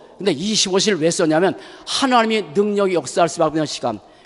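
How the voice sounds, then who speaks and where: A man's high voice with ordinary pitch variation at a fairly quick pace, over noticeable background noise. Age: 60s. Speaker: pastor. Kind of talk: sermon.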